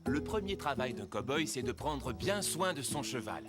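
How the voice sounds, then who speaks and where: A man plays a friendly ranch cowboy from a kids' cartoon, explaining things in an encouraging way. The pitch moves around in a lively way, with music clearly behind the voice. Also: moderate pace, lightly acted. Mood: friendly, instructive. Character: friendly cowboy ranch hand showing a child horses. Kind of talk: children's cartoon dubbing.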